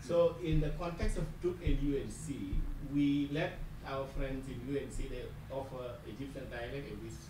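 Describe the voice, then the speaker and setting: A man's voice: mid-range voice, moderate pace, hardly any pauses. A man from the Arabic program answering an audience question in a plain, matter-of-fact way. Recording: roomy, distant, noisy room sound.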